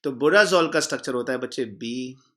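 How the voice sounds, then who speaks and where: A man with a medium-pitched voice talks fast while teaching an exam-prep chemistry class. He repeats key points, quizzes the class and answers his own questions, warmly calling the students "children."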